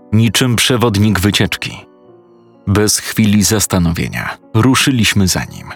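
A man narrating a first-person horror story in a crude, casual, self-mocking way. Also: lowish voice.

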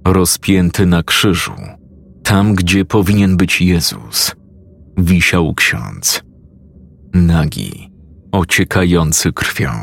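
A man narrates a first-person horror story in a grave, measured tone. His voice is very deep and slightly husky, and he reads at an unhurried pace that lets each line settle.

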